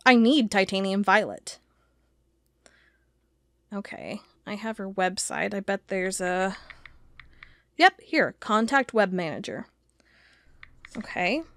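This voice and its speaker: A woman playing an agitated, suspicious, sharp-tongued investigator thinking aloud in an audio drama monologue. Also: mid-range voice, expressive, takes it slowly, pauses often, no echo, studio quality. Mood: determined, muttering. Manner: thinking aloud, emphatic, muttering to herself.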